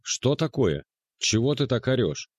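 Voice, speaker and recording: A man's voice: medium pitch, very animated, unhurried, no echo, pitched above the performer's own voice. A man voicing a woman, the villa owner, scolding a jealous neighbor in a storybook reading. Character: sleepy then furious woman, villa owner.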